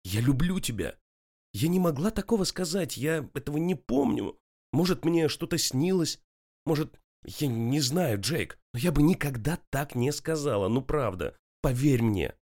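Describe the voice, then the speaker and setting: A man's voice: mid-range voice, a little fast, voice pushed up, natural voice. A man voicing a young woman, anxious and near tears, pleading in a rising voice. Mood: desperate pleading.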